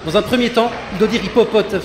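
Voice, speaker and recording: A man's voice: high-pitched, natural voice. A man playing a pedantic battle commentator who explains attacks in a parody audio saga. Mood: urgent explaining. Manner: rapid explanatory patter. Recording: echoey reverberant hall with clear noise.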